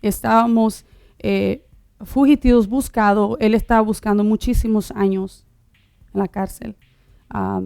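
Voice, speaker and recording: A middle-aged woman born in Uruguay telling her personal testimony in conversation, halting, with many fillers and restarts. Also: medium pitch, steady tone, vocal fry, warm tone, smooth, dry recording, clean studio sound. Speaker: guest sharing her testimony.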